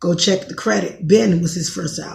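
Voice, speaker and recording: The speaker has an American accent and talks at a moderate pace. There is vocal fry in the voice. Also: woman. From Washington DC. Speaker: YouTuber and social media commentator. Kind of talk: casual monologue vlog. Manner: animated.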